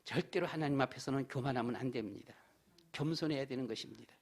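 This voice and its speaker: A man's voice: medium pitch, quick pace, slightly rough. A middle-aged man, a pastor, preaching a Sunday sermon in a church in a folksy, repetitive way. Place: church sanctuary.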